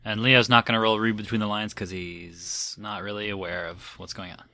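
A player in a tabletop role-playing game, quick with jokes and laughing often. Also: low voice, flat delivery, pushed and bright. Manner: laughing, quippy. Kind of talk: casual tabletop role-play chat.

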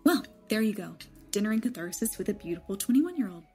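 A woman's voice: medium pitch, very animated, quick pace, dark tone. A woman playing a probing young woman of twenty-one in an audio drama, outwardly light and secretly uneasy. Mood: probing, teasing. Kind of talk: naturalistic audio drama acting. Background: background music.

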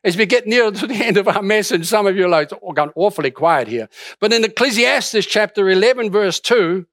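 A man's voice: sits high, lively intonation, brisk, a bit bright, no room sound, studio quality. A middle-aged man from Austria preaching a sermon in a conversational way, with many restarts and fillers. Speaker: pastor.

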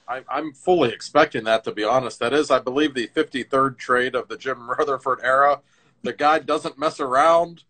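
A middle-aged man in a casual hockey talk show, telling stories with lively, emphatic swings in his voice. His delivery is loose and conversational, punctuated by quick bursts of emphasis. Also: medium pitch, rough recording.

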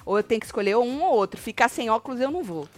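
A Brazilian woman with a fairly high voice hosting a chatty gossip show. She recounts stories animatedly, slipping into voices and swearing without a filter. Her delivery is loose and conversational. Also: rapid-fire, soft background music. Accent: Brazilian Portuguese. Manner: animated storyteller, mimics voices, swears freely. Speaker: host. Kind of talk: casual gossip commentary.

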